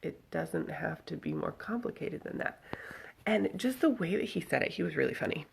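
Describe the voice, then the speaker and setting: Holding her phone at arm's length, a woman with a scratchy, husky, lowish voice casually tells her followers a story and shares reflective advice. Her intonation is lively and her speed normal.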